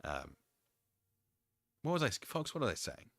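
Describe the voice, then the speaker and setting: An American man hosting a casual livestream, rambling through commentary and chat comments in an animated, digressive way and often losing his thread. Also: mid-range voice, normal speed, vocal fry, no room sound, clean studio sound. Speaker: livestream host.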